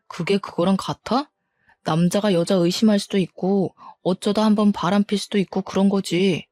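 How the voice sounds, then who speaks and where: A defensive, scornful cheating husband in a spoken storybook, read out by a woman. He blusters and turns every accusation back on his wife, in a mellow, dark tone. The recording is dry and close. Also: medium pitch, no room sound, lightly acted. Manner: blustering, blame-shifting.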